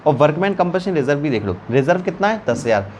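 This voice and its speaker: A man's voice: on the high side, sing-song, fast talker, darkish tone, muffled recording, slight background noise. A man teaching an online accountancy class, working sums aloud while writing and teasing his students. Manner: chatty, teasing, calls students beta.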